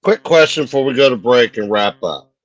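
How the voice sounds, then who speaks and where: A man's voice: medium pitch, expressive, brisk, no echo, highs cut off. A man chatting casually as co-host of a talk show. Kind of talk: casual chat.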